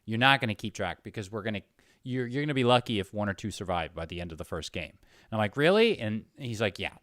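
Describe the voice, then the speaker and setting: A man with a low voice hosts a casual interview in a dry-sounding recording. He talks informally and haltingly, rambling his way toward each question. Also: expressive, a bit bright, dry recording. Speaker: interviewer, channel host. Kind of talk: casual chat.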